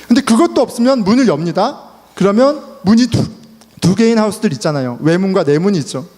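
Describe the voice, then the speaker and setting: A man's voice: sits high, expressive, brisk, a little mellow. A man preaching a sermon as a pastor, telling stories with self-mocking humor and acting out what people said. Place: church sanctuary. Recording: church hall reverb.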